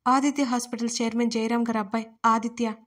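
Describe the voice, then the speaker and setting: A woman voicing a desperate, tearful young woman in a storybook reading, pleading in a fairly high, flat-toned voice. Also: fast. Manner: pleading, sobbing delivery.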